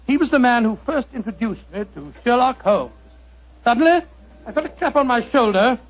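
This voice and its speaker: An actor playing a genial elderly doctor who tells the story, with a bumbling, chummy manner, in a 1940s radio drama. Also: male voice, very high-pitched, expressive, moderate pace. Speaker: narrator of the tale. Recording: dull 1940s radio broadcast.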